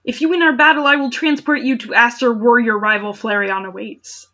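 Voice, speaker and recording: A woman's voice: a little high, steady tone, a little fast, sharp tone, muffled recording. A woman voicing a small young female cat creature, dutiful and taunting, in an exaggerated sing-song read from a fan story. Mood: challenging.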